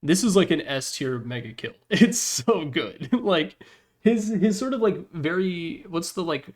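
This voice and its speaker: Casual, higher-voiced man giving blunt commentary. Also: animated, a little slow. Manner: rambling, informal, blunt, slangy. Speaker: host ranking video game announcer packs. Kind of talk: casual opinionated commentary over a slideshow.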